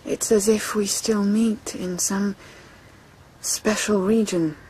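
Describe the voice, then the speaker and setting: An actress playing a steadfast, grieving noble widow in a radio drama, hushed and deliberate. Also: female voice, medium pitch, steady tone, a little hiss or hum, lightly acted, rough recording. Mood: mournful, devoted.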